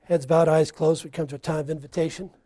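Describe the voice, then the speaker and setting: A man preaching a sermon, moving between loud emphatic lines and quiet, hushed ones. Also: fairly high pitch, fairly even intonation, quick pace, no echo, clean studio sound.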